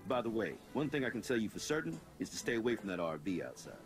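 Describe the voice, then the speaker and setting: An actor playing a friendly, gossipy middle-aged police officer in a video game. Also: male voice, lowish voice, big pitch swings, fast, faint music behind. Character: chatty middle-aged small-town cop.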